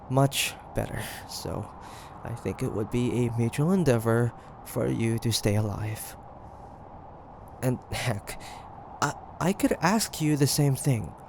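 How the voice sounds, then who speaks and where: A man playing a grumpy, flustered demon hunter who secretly cares, speaking in a halting, defensive way in a roleplay audio drama. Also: medium pitch, a little mellow, a little hiss or hum.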